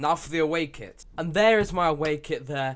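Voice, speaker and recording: In a very clean recording with a silent background, a man with an English accent speaks at a fairly quick pace in a fairly high voice with lively intonation. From England. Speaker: gaming youtuber. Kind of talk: gameplay commentary. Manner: casual.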